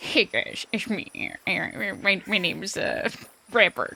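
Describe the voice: Put-on character voice at a fairly slow pace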